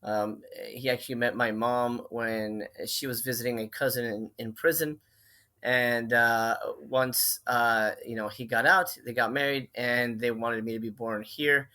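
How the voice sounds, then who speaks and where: A middle-aged man from Miami chats as a podcast guest, his voice bright and forward. He talks in loose runs, full of "uh"s and restarts, sitting at a middle pitch. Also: steady tone, unhurried. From Miami, Florida. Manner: chatty, many fillers and restarts. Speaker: film director and writer, podcast guest. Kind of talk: casual conversational interview.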